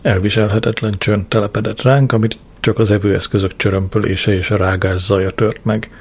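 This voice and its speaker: A man's voice: fairly low pitch, flat delivery, breathy edge. A man reading a first-person diary story aloud in a dry, matter-of-fact way. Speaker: audiobook narrator.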